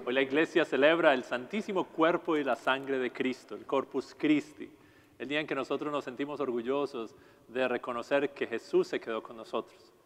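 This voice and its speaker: A man in his forties, a priest leading Mass in a large stone chapel, praying in a measured, solemn way. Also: medium pitch, fairly even intonation. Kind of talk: liturgical prayer at Mass. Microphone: lapel mic. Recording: long reverb of a stone chapel.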